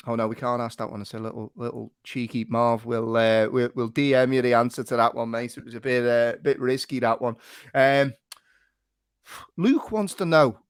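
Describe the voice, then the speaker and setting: A man's voice: mid-range voice, steady tone, normal speed, clear, resonant tone, no room sound, studio quality. A middle-aged man with an English accent hosting a podcast in a jokey, matey, casual way with plenty of slang. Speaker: podcast host reading listener questions. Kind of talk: casual chat.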